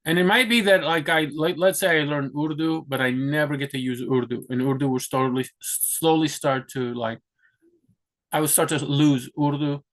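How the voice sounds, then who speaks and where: A man's voice: fairly high pitch, steady tone, moderate pace, a bit bright. Rambling man talking about his plans. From United States. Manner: rambling, many restarts and "like" fillers. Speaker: vlogger. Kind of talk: casual talk to camera.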